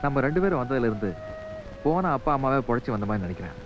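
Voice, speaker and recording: A man's voice: medium pitch, very animated, quick pace, background noise, lightly acted. An actor playing a young man who reassures a woman and an orphan boy, in 1980s film dialogue. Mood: calm. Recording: dull film soundtrack with music.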